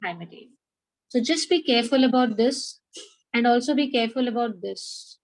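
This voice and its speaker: A woman with a South Asian accent teaches a biology class, going back over key points and prompting her students with questions in an interactive lecture. Her voice is a little high and her pace moderate. The audio quality is poor.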